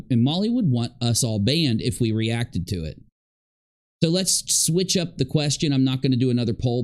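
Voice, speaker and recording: A man's voice: mid-range voice, a little mellow. A man with a mid-range voice hosts a casual online commentary stream. He addresses viewers directly, working through hypothetical questions in an informal, conversational way. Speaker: commentary livestream host. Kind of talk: casual reaction commentary to a live audience.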